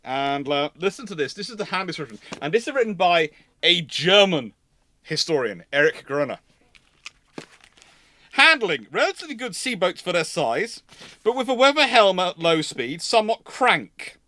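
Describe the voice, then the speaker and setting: A man's voice: sits high, sing-song, normal speed, bright, forceful tone. A man hosting a history livestream, giving casual expert commentary in an explanatory, digressive and emphatic way.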